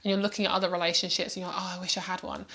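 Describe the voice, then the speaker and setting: A woman's voice: on the low side, level tone, very fast, sharp tone. Chatty, reassuring woman reading tarot. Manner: chatty and meandering, speaks directly to the listener. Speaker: tarot card reader. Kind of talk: casual intuitive tarot reading to viewers.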